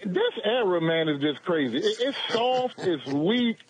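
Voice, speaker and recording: A man's voice: high voice, sing-song, unhurried, slightly rough. A forty-year-old man calling in to a sports show, blunt and casual, saying bro a lot. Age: 40s. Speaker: caller. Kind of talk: phone-in opinion. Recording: dull phone-line audio.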